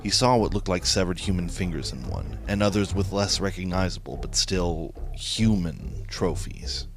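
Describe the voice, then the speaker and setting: A man's voice: sits low, slight background noise. A man giving a grave, ominous dramatic narration of a horror tale. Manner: slow, grave, ominous delivery. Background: music.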